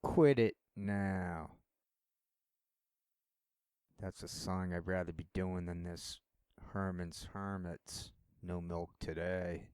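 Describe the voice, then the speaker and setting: A man's voice: sits low, fairly even intonation, slow pace, a little mellow, smooth, no echo, clean studio sound. A man talking casually to his channel in a rambling, self-deprecating way, often stopping and restarting his sentences. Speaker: channel host.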